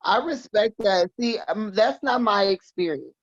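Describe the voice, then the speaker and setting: A woman's voice: medium pitch, animated, measured pace, no echo. A woman in her forties from Milwaukee, a podcast guest telling personal stories in a frank, salty, laughing way. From Milwaukee, Wisconsin. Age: 40s. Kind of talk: casual chat, personal storytelling. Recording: dull lo-fi dry sound.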